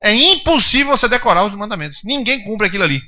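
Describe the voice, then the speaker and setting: A man preaches to his congregation in a high, bright voice, driving his points home with emphatic rhetorical questions. The recording from the church service sounds dull and lo-fi. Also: big pitch swings, fast talker. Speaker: pastor. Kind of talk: sermon.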